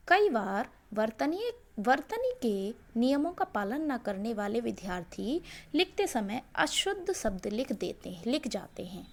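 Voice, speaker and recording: A woman's voice: medium pitch, creaky. A woman teacher giving a grammar lesson, asking each point back as a question and then answering it, stressing key words. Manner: slow and deliberate, stressing words. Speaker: school teacher.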